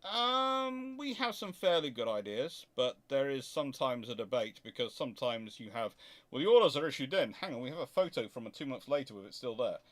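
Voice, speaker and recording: A man with a medium-pitched voice talks informally as he fields questions from his audience. He is emphatic and opinionated, often restating a point to make it land. His delivery is that of a host speaking off the cuff. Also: expressive, brisk, fairly bright tone. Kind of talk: informal naval history question-and-answer talk.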